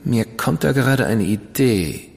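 Ironic dandy gentleman, lively voice, roomy reverb. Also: mid-range voice, a little slow, vocal fry. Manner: ironic, playful. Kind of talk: German audio drama acting.

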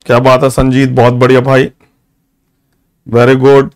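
A man teaching English vocabulary in a live online class, moving between Hindi and English. He reads English examples slowly and praises students by name. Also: mid-range voice, completely flat delivery. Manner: switches between Hindi and English, with slow, drawn-out English example sentences; praises students by name and urges them to take notes.

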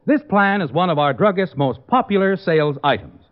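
High-pitched old-time radio announcer man. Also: expressive, brisk. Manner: polished, salesmanlike. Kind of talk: 1940s radio sponsor announcing. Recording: muffled old radio broadcast, music behind.

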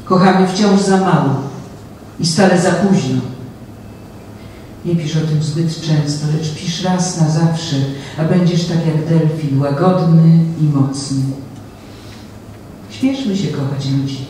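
A middle-aged woman reciting poetry in a slow, measured, solemn way on a small stage with a handheld mic. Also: sits low, mellow, slight background noise. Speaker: poetry reader. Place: small venue on a stage before an audience. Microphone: handheld mic, from a distant camera. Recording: very echoey room heard from far off.

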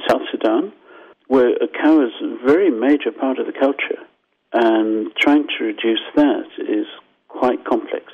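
An older man from Zimbabwe speaks as a scientist guest on a radio show, heard over a dull lo-fi phone line. His voice sits at a middling pitch, and he explains things thoughtfully, with restarts and lively asides. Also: vocal fry, slightly rough. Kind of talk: radio interview answers.

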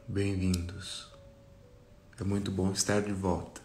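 A Brazilian man leading a guided meditation talk for a group, speaking reflectively with long pauses. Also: deep voice, little pitch movement, creaky, a little mellow. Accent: Brazilian Portuguese. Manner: slow, pausing, reflective. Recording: roomy echo, faint music behind.

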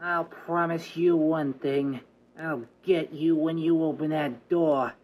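An actor playing a jumpy, defiant small-time gangster with slangy tough talk, in 1930s radio style. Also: male voice, fairly high pitch, fairly even intonation, takes it slowly, a little mellow, a little hiss or hum.

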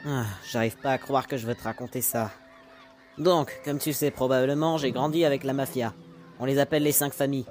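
A man's voice: medium pitch, a little mellow, close to an everyday voice. A man voicing a sassy, slangy, teasing gay demon who grew up in the mob, in a French fan comic dub. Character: sassy, crude, teasing gay male spider demon ex-mobster.

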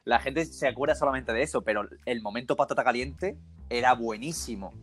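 A man co-hosting a podcast, telling anecdotes in a lively, repetitive way. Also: medium pitch, fairly quick, slightly rough, faint music behind. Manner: animated storyteller, repeats himself. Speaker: podcast co-host. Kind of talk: casual podcast chat.

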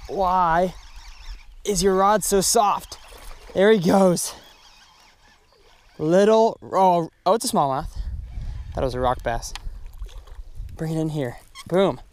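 Excitable young man fishing from a boat. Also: high voice, takes it slowly, pauses often. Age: young adult. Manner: upbeat, excitable, chatty. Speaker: fishing vlogger. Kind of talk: casual fishing vlog. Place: outdoors on a fishing boat on a lake. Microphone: chest-mounted camera.

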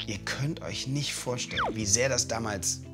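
A man's voice: medium pitch, normal speed, loud music behind the voice, pitched below the performer's own voice, natural voice. A man in his thirties in costume, voicing a cheerful ancient Roman and later a medieval peasant, telling history playfully to children. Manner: playful, exaggerated, addressing kids directly. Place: studio set with sofa.

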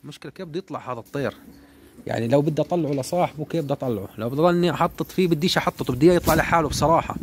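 A man, giving a casual, animated running commentary while flying his pigeons outdoors. He repeats words and calls out to the birds. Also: a little high, rapid-fire, very noisy. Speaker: pigeon keeper vlogger.

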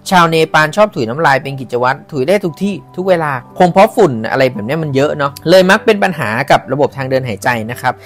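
Fast-reading man over faint music. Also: on the high side, expressive, a bit bright. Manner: reads with chatty asides and exclamations. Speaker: book reader and podcast host. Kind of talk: casual audiobook reading.

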